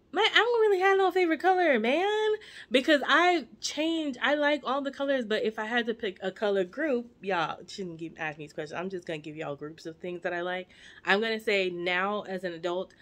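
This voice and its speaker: At a normal pace and in a fairly bright mid-range voice, a woman in her forties chats to the camera in her living room. She was born in Jamaica, grew up in the US, and vlogs in a rambling, playful style with the camera at arm's length and comments aimed at her viewers.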